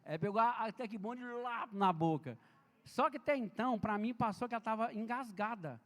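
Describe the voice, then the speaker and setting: A man with a notably high voice gives a chatty, story-filled seminar talk, speaking directly to the listeners. His voice rings with a long reverb off the walls of a large church hall. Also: normal speed, a bit bright. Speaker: health and safety speaker. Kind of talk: informal seminar lecture.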